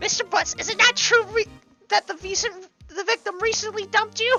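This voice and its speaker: Faint music plays under a put-on character voice that is squeaky and extremely high, moving at a fairly quick pace. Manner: accusatory questioning.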